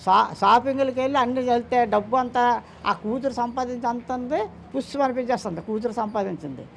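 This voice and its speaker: Interviewed about his son, a man in the news, this older father speaks briskly in a very high, gravelly voice. He makes his points emphatically, frequently repeating himself or quoting what people said, over slight background noise.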